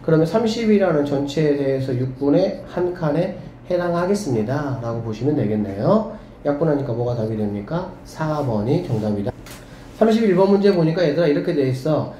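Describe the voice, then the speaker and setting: A male math teacher leads a classroom lesson, talking with energy and often asking his students if they follow. His voice is dark and mellow and sits a bit high. The room sounds echoey, with a faint hum behind him. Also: brisk. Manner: lively, keeps checking in with students.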